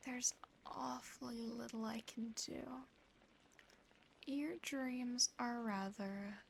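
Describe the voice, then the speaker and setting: A woman voicing a teasing, condescending, darkly affectionate female demon in a breathy, close-miked ASMR whisper. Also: on the high side, fairly even intonation. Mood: teasing fondness. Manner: slow, taunting, lingering over words. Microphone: close ASMR microphone. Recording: faint background noise and ambience.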